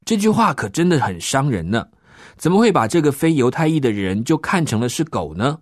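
A man tells a children's story in a lively, animated voice that rises and falls a lot. He explains things gently and ends sentences with soft particles. The recording is dry and close, with no room echo. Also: medium pitch, fairly quick. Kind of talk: scripted children's Bible story narration.

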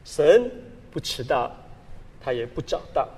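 A man preaching a sermon as a pastor, animated and full of rhetorical questions. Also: mid-range voice, unhurried, creaky, in a large hall.

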